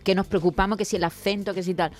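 Co-host, woman, agreeable interjections, mid pitch. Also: fairly even intonation, quick pace, soft background music. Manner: agreeable, chimes in with short affirmations. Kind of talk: casual chat.

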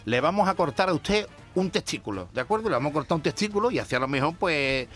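Man playing a brisk, no-nonsense doctor. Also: fairly high pitch, very animated, fairly bright tone, faint music behind. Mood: businesslike. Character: matter-of-fact male doctor.

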